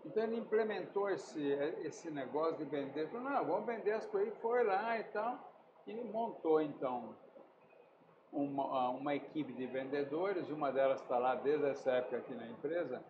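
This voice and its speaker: An older man, a podcast guest who tells animated anecdotes and acts out the dialogue. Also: a little high, moderate pace. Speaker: meat company owner, guest. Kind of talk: casual podcast chat, storytelling. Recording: roomy, muffled, noisy room sound.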